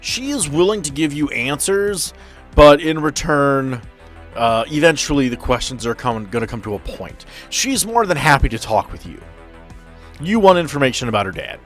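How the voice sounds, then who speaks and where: A man's voice: on the high side, expressive, moderate pace. A man speaking as game master, improvising narration and explaining rules at a tabletop role-playing game. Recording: music behind the voice. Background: music.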